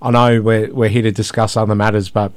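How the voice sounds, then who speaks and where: A man's voice: lowish voice, flat delivery, brisk, clear, resonant tone, no echo. A male radio host, asking friendly, curious questions in a casual interview.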